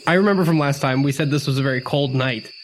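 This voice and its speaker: A man's voice: medium pitch, quick pace, soft background music. A man playing a tabletop role-playing game, casually describing what his character does.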